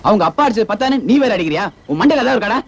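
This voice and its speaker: A husky, taunting village youth. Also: male voice, sits high, expressive, very fast. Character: mocking, argumentative young village man. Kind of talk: 1980s Tamil film comedy. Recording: dull old film soundtrack.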